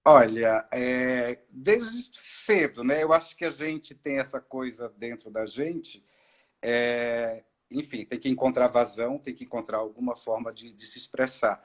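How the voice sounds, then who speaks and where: A middle-aged man from Ceará, an actor and director, telling his story in a relaxed live-stream interview, with many fillers and restarts. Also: medium pitch, a little slow. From Ceará, Brazil. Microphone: video call.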